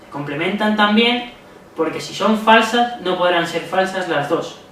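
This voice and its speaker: Man, Spain Spanish accent, high voice, methodical tutor; distant mic, faint noise. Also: lively intonation, a little slow, fairly bright tone. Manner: methodical, checks in with listeners often. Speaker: medical exam tutor. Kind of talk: exam-strategy lesson. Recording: very echoey room, voice far from mic, faint noise.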